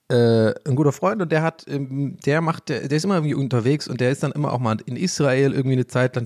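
A young man talks on his solo podcast in a loose, rambling way. He keeps breaking off into self-mocking asides, and his pitch jumps around with a lively lilt. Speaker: podcast host. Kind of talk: casual solo podcast chat.

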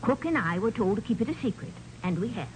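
A woman's voice: a little high, very animated, fast. An actress playing an earnest, plain-spoken female servant with a folksy, deferential manner in a 1940s radio drama. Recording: noisy 1940s radio recording.

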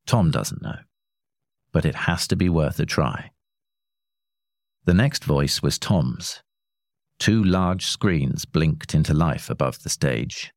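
Man, very low voice, dry close sound, wry scripted narration. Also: lively intonation, takes it slowly, vocal fry, pauses often, no echo. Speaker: narrator reading a short story.

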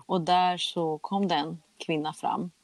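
A woman's voice: lowish voice, steady tone, no room sound. A young adult woman tells a personal story in a candid, chatty way and acts out the conversations she recounts. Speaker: guest telling her story.

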